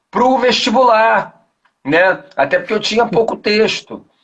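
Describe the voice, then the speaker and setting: The man's voice is high in pitch. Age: 60s. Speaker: actor and voice actor. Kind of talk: interview. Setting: live stream. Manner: halting.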